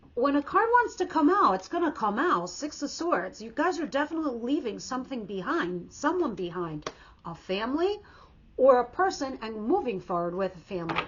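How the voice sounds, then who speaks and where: A woman speaks at a high pitch and a fairly quick pace, with very wide pitch swings. Her loudness swings widely, and there is noticeable background noise. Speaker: tarot reader. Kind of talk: tarot reading to camera. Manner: animated.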